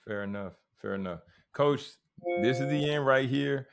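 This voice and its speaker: Male podcast host, average pitch, relaxed informal interviewing with doubled short phrases. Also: moderate pace, creaky, over music. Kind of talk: casual podcast interview and sign-off.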